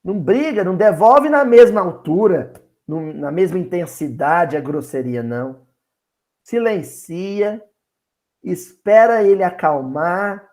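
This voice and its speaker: Male Bible study speaker with a Minas Gerais accent; slow, emphatic, swooping delivery. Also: sits high. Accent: Minas Gerais Brazilian Portuguese. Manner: animated and expressive, slow and emphatic.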